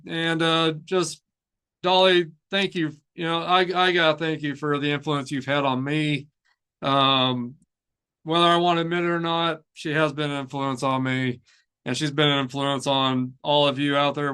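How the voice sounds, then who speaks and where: Halting man with a clear, higher-pitched voice. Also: sharp tone. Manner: halting, rambling, repeats phrases. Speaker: host of a heavy metal news show. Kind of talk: casual off-the-cuff news commentary.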